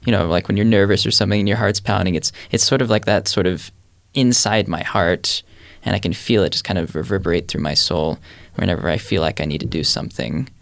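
A man's voice: sits low, brisk, gravelly, no echo. A young man telling a personal faith story in an earnest, rambling way with many fillers. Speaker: panel guest. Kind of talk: casual faith discussion.

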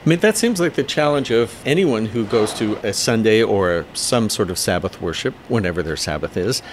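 A podcast host asks his guests questions in a calm, inquiring manner. His voice sits a little low for a man. A faint sound of passing vehicles is heard behind him. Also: moderate pace, slight background noise. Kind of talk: interview questions.

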